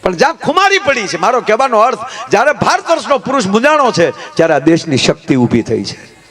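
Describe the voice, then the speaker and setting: Higher-voiced man telling folk comedy stories. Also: fast talker. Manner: lively storytelling, jumps into character voices and chants. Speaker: stage comedian. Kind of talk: Gujarati folk comedy storytelling.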